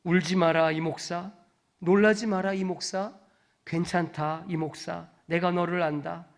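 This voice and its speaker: A man quoting Jesus in a lowered, gentle, consoling voice during a sermon. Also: fairly even intonation, unhurried. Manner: soft and lowered, tenderly consoling. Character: Jesus, gentle, tender man comforting the grieving.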